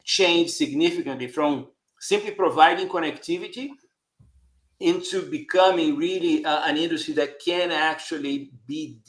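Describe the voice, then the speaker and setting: A man's voice: fairly high pitch, fairly bright tone. A man from Brazil with a Brazilian accent, answering interview questions conversationally and hesitantly, often tagging his phrases. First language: Portuguese. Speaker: interview guest, telecom marketing director. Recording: echoey room sound.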